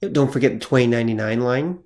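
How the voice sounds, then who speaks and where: Chill podcast dude, mid pitch, keeps saying i mean, just chatting. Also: male voice, quick pace, a little mellow. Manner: conversational, agreeable, hedging with "I mean". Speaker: podcast co-host. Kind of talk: casual chat.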